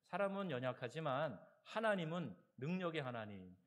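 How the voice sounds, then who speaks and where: Animated Korean pastor preaching. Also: male voice, fairly high pitch, normal speed. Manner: animated, swings between loud exhortation and quiet asides. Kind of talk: sermon. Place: church sanctuary.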